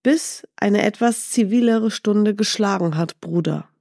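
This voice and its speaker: A woman's voice: medium pitch, unhurried, gravelly, darkish tone, no room sound, studio quality. A woman voicing a poor, ragged male beggar in a storybook, who sounds fretful and doubtful. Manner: fretful, questioning.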